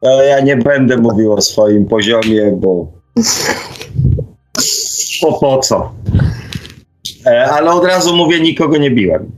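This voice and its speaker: A man's voice: medium pitch, animated, a little slow, pauses often, poor audio. A man hosting a live call-in radio discussion, speaking hesitantly as he searches for words. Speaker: radio host.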